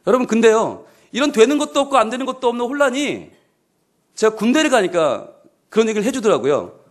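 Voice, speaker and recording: A male pastor giving a sermon at a midweek church service, animated and humorous, often asking the congregation questions. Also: very high-pitched, fast talker.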